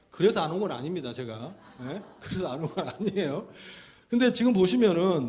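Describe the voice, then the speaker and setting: With a Jeolla accent, a man speaks in an animated tone using very wide pitch swings. Audible room echo fills the recording. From Jeolla, Mokpo. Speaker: pastor. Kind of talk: sermon. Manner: animated, call-and-response.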